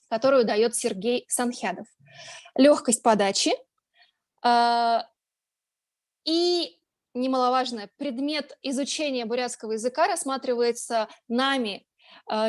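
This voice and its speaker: A woman's voice: fairly high pitch, dry recording, studio quality. A woman from Russia, a blogger and journalist, giving a conference presentation in a chatty way, with frequent filler sounds and restarts.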